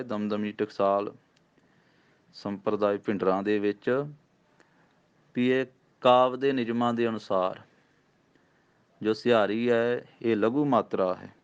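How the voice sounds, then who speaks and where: A man teaching the recitation of scripture, spelling out syllables slowly and patiently. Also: on the low side, clean tone. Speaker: Gurbani pronunciation teacher. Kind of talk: recitation lesson. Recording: dull lo-fi sound.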